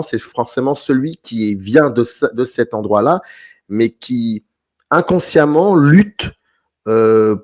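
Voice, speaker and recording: A man's voice: medium pitch, a little mellow. Enthusiastic French man hosting a film chat. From France. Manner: enthusiastic, thinking aloud. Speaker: host. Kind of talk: casual film discussion.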